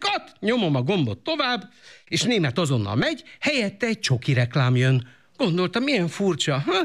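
On a very clean recording with a silent background, a man speaks at a moderate pace and high pitch with very wide pitch swings and very even loudness. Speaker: comedian. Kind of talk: stand-up comedy.

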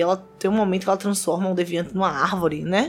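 Over music in the background, a woman talks at a medium pitch. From Brazil. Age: 20s. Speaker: podcast co-host. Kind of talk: casual chat.

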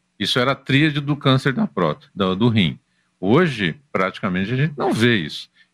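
A man speaks at a moderate pace with medium pitch, very wide pitch swings and vocal fry. The recording is very clean, with a silent background. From Brazil, Paraná (Iporã area). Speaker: urologist. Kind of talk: radio talk show interview. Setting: radio studio.

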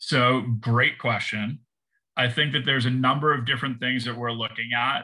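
Medium in pitch, a man speaks at a moderate pace in a monotone, flat way. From Boston, US. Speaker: marketing executive. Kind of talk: casual interview. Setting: video call.

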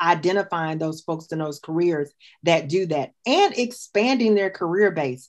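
A woman with an American accent uses an unremarkable speaking voice, fairly low in pitch with ordinary variation. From Texas, Fort Worth. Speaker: nonprofit youth leadership director. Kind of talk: interview conversation.

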